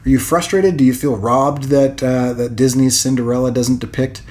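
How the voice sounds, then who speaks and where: A man's voice: mid-range voice, steady tone, a little mellow. Rambling man in his late thirties. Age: late 30s. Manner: rambling, thinking aloud, hesitant pauses and repetitions. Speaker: vlog host and illustrator. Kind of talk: casual unscripted vlog musing.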